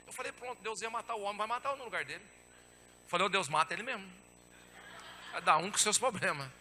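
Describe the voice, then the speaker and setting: A man preaching a sermon and telling a personal testimony, with dramatic storytelling that swings from hushed to shouting and repeatedly addresses the congregation as brothers. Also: high voice, lively intonation, quick pace. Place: church.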